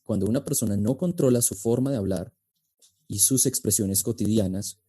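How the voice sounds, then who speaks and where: A man's voice: lowish voice, warm tone. A man explaining things conversationally as an expert guest, in a didactic, emphatic way. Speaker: interview guest, speech and oratory coach.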